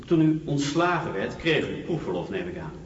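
A man's voice: medium pitch, very animated, normal speed, natural voice. A man playing a persistent official who questions someone in a Dutch radio drama. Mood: probing, insistent. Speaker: actor playing an interrogator. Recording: dull, echoey hall, distant, noisy.

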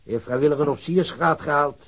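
A man's voice: a little high, fast, fairly bright tone, low-quality recording. An actor playing an old working-class father, plain-spoken, weary and loyal to his son, in a naturalistic radio drama. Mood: cooperative, slightly proud. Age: older.

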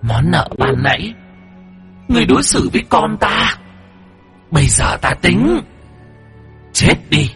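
Guy doing a creepy demon mom from a horror story, hissy and raised up high, cold threats. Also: huge pitch swings, measured pace, bright, forceful tone, breathy edge, soft background music, heavily acted. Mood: vengeful. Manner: hissing threats. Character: vengeful female mother-demon, cold and cruel.

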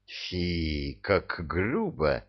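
Man putting on a low prim drawling devil, tipsy and fussy, gravelly, muffled lo-fi audio. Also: big pitch swings, drawn-out words, full character voice. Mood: prissy. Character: tipsy, prissy male devil Lucifer. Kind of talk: audiobook character voice.

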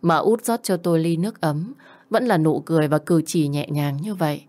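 A woman in her twenties tells a first-person family story with tender emotion. Her voice is slightly low and her delivery is heartfelt, in the manner of an audiobook narration. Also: fairly quick, a little mellow. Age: 20s.

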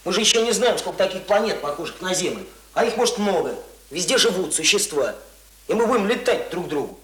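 An actor in a radio play playing an earnest, argumentative young village student who lectures insistently and colloquially. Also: male voice, high-pitched, animated, quick pace, fairly bright tone. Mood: dreamy, enthusiastic. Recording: roomy, echoing radio drama recording.

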